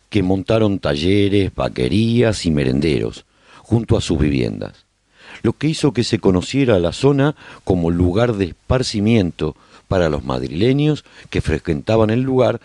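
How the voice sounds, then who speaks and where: A man narrates a scripted radio serial in a documentary tone, with measured, deliberate phrasing. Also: low-pitched, warm tone, no echo, clean studio sound.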